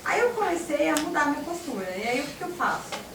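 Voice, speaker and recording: A Brazilian woman tells a casual anecdote at a quick, chatty clip, her voice high. The recording catches her from a distance in an echoing room with clear background noise. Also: big pitch swings. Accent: Brazilian Portuguese. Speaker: audience member sharing an example. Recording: echoey room from far off, noisy.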